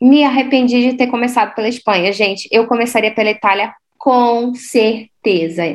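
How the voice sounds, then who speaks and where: This woman's fairly high voice moves at a moderate pace with ordinary pitch variation. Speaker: language school owner. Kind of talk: radio interview. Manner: animated.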